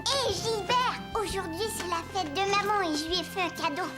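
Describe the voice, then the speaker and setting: A woman's voice: very high-pitched, moderate pace, over loud music. A woman voicing a cheerful, curious four-year-old boy in a children's cartoon, with eager, simple childlike phrasing. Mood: eager, excited.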